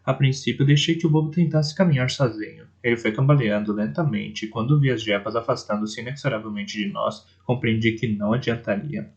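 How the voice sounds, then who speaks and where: Gravel-voiced man reading an audiobook. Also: medium pitch, fairly quick, hardly any pauses, darkish tone, muffled recording. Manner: reads with restarts and self-corrections. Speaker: audiobook narrator.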